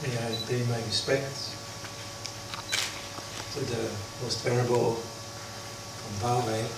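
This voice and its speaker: A man from the Netherlands, a Buddhist monk, giving an unprepared talk at an interfaith forum, halting with many pauses. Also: medium pitch, level tone, vocal fry. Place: large hall. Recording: echoey hall from far off, background noise.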